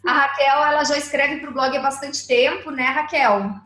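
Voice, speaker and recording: A woman's voice: high-pitched, fairly even intonation, moderate pace, sharp tone, reverberant, faint music behind. A woman hosting a casual interview, asking friendly follow-up questions and bringing in examples from her own child. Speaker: blog host interviewer.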